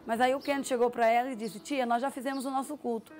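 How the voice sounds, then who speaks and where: A woman's voice: fairly high pitch, fairly even intonation, fast talker, darkish tone. A woman vividly retelling a personal testimony, often quoting dialogue and asking "sabe?". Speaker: testimony giver. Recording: music underneath.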